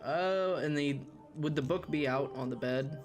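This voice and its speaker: A man playing a tabletop horror game, describing and voicing his character with a halting, filler-heavy way of talking. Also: a little high. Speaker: player voicing Vyacheslav. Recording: music playing underneath.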